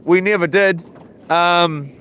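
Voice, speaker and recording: Kiwi guy with a highish voice rambling casually on a fishing livestream, clear boat and water noise round him. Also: slow, lo-fi sound. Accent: New Zealand. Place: outdoors on a small boat.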